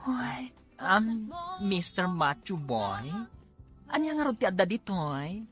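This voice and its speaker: A flirty, effeminate gay man played by a woman drawls coyly through an audio soap drama. The delivery is slow and swings freely in pitch, with music playing underneath. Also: very animated, fairly bright tone. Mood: coy, flirtatious. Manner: coy, drawn-out, exclaiming. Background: background music.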